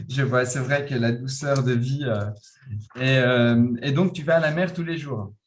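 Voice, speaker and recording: A man's voice: mid-range voice, measured pace, a little hiss or hum. A man moderating an online round table over a video call, friendly and informal, speaking with some hesitation.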